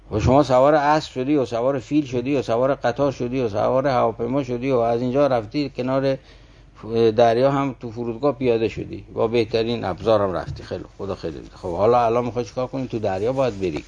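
A man gives a didactic talk on a classical verse story, speaking at an ordinary middle pitch. He keeps turning to his listeners with direct appeals and rhetorical questions as he draws out the lesson. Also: darkish tone. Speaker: teacher of classical poetry.

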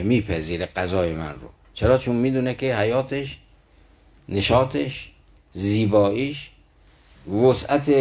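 A man's voice: mid-range voice, darkish tone. Earnest man lecturing on poetry. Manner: measured, recites verses slowly and then explains them; earnest, speaks straight to the listeners. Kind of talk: spiritual lecture explaining verses.

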